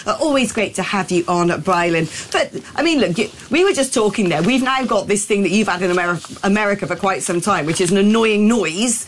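A woman's voice: medium pitch, expressive, brisk, hardly any pauses, a little hiss or hum. An English woman hosting a radio talk show, chatty and wry, sounding a bit under the weather with a virus. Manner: chatty, wry, reads listener messages aloud. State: unwell, says she has a virus. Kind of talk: casual radio chat.

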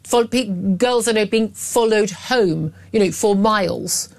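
A woman's voice: mid-range voice, measured pace. A woman hosts a radio phone-in with a mid-range voice. She talks emphatically, throws in sarcastic asides and restarts her sentences often, and her tone swings between pointed and scornful. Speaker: talk radio host. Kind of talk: opinionated radio talk.

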